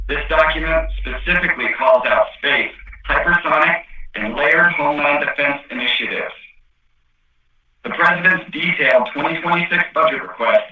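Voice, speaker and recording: A man reading a scripted corporate presentation as an executive on an earnings call, in a formal, measured way. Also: on the high side, pushed and bright, far from the mic. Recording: echoey, muffled conference call line.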